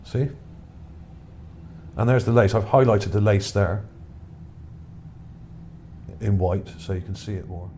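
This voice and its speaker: A man's voice: on the low side, slow pace, pauses often, warm tone. A man giving casual, unscripted commentary on images for his video, musing and hesitant as he goes. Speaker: video narrator presenting own image finds. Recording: background noise under the voice.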